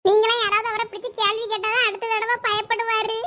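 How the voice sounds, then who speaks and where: A woman's voice: very high voice, little pitch movement, fast talker, bright, forceful tone, pitched above the performer's own voice. Woman doing a pleading young village wife with a Thoothukudi accent. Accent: Thoothukudi Tamil. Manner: pleading, coaxing.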